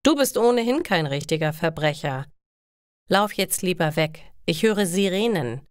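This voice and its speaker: A woman's voice: lowish voice, expressive, normal speed, clean tone, dry recording, clean studio sound, close to an everyday voice. A woman voicing a kindly male jeweler mixed up in crime, speaking in urgent short statements and commands.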